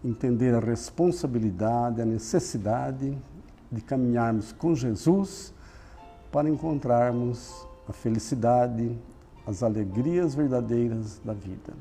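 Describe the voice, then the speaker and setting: Brazilian guy leading a prayer, really soft mellow voice, slow and soothing, music underneath. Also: medium pitch. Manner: soothing, solemn. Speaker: prayer leader at a spiritist center. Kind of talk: slow guided opening prayer.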